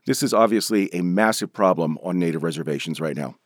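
A man from Denver, an author and professor, giving measured, explanatory answers in a radio interview. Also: sits low, no echo, clean studio sound. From Denver, USA.

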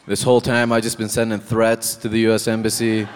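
Man from Iraq, stand-up comedian, deadpan, hesitant fillers, long hall reverb, faint background noise. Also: on the low side. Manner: deadpan, halting with many ums and uhs. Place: live comedy stage with audience. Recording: reverberant venue with crowd.

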